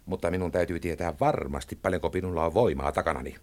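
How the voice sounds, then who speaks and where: An actor playing a calculating, cautious male opposition leader in a radio drama, speaking in a measured, deliberate way. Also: low-pitched, lightly acted. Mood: tense. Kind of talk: 1960s radio drama acting.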